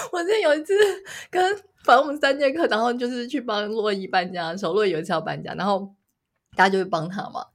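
A woman's voice: mid-range voice, fast. Teasing woman podcast host. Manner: teasing storyteller, bursts into laughter. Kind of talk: casual chat.

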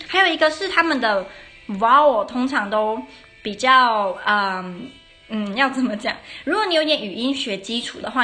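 A woman's voice: fairly high pitch, sharp tone. A tired woman giving a casual podcast lesson on English phonetics, talking unhurriedly with many fillers and restarts.

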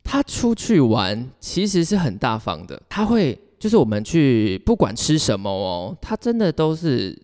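Animated man with Taiwanese Mandarin accent. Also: medium pitch, normal speed, few pauses. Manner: giggly, animated, rambling. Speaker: podcast co-host. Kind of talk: casual chat, personal storytelling. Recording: reverberant, hall-like sound.

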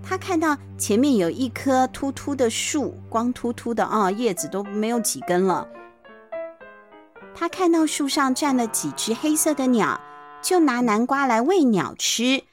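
A woman with a Taiwanese Mandarin accent, hosting and narrating children's bedtime stories in an expressive, chatty way with explanatory asides. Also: a little high, measured pace, faint music behind. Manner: expressive, chatty explaining with sentence-end particles. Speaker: podcast host and storyteller, a mother.

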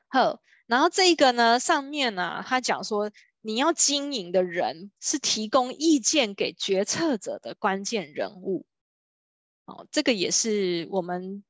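Chatty and full of little fillers such as 哈 and 哦, a Taiwanese woman shares a B2B sales book in a relaxed lecture, acting out the people she quotes. Her voice is mid-range, and there's no room sound.

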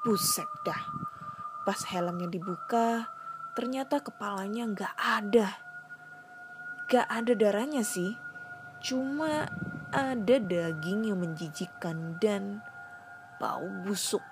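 Slow-talking woman telling a horror story. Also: medium pitch, music in the background. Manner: slangy, conversational, dramatic. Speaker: horror podcast narrator. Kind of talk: casual storytelling. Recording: noisy background hiss.

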